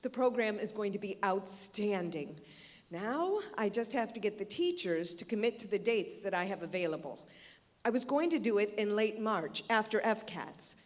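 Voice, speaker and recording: A woman's voice: medium pitch, lively intonation, close to an everyday voice. A woman playing a persuasive, hopeful yet frustrated arts education director in an earnest, emphatic stage monologue. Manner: earnest, emphatic, deliberate phrasing. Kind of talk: theatrical monologue, dramatic stage reading. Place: reverberant indoor hall at a live reading. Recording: echoey hall, music behind.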